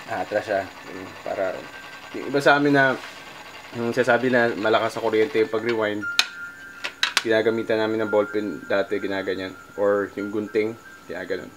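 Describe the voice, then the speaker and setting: A middle-aged Filipino man talks casually to viewers in a halting, conversational vlog style, thinking aloud as he demonstrates. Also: fairly low pitch, steady tone, background noise. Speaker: musician vlogger.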